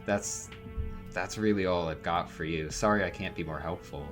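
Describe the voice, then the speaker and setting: A young man playing a shaken, earnest young witness in an audio drama, hesitant, halting and casual. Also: deep voice, music in the background, close to an everyday voice. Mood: uneasy recounting. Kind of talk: naturalistic audio drama acting.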